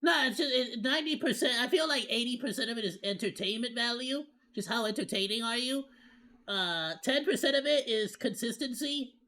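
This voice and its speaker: A woman's voice: a little high, brisk, sharp tone. A woman streamer giving casual reaction commentary in a slangy, emphatic way, often repeating phrases. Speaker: VTuber streamer reacting to a video.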